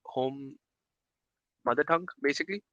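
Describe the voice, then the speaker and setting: Hesitant young Indian man, bright voice. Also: mid-range voice, moderate pace, dry recording, muffled recording. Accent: Indian English. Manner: hesitant, many fillers and restarts. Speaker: podcast co-host. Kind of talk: casual podcast chat.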